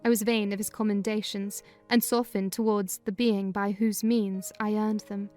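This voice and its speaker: A woman giving a dramatized first-person reading of a classic novel in measured, clear storytelling. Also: medium pitch, flat delivery, warm tone, faint music behind. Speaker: reader of a novel.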